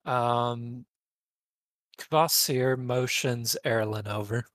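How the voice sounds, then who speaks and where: Casting: unhurried player, close dry sound, terse replies on a call. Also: mid-range voice, steady tone, fairly bright tone, dry recording. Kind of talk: casual tabletop play. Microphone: remote voice call.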